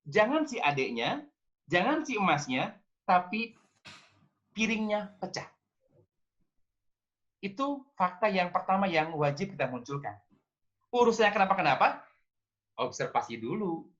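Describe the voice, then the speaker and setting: Bright-voiced man leading a parenting talk. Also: high-pitched, sing-song, unhurried, long pauses, lo-fi sound. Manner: engaging, asks audience, acts out scolding parents. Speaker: parenting speaker.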